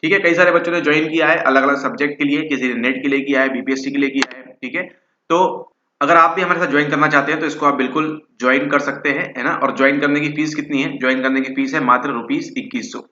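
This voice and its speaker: Man, psychology teacher, course pitch, tense bright voice, roomy dull recording. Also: fairly even intonation, fast. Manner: keeps adding "ठीक है" and "है ना"; mixes English words into Hindi. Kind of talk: course promotion talk.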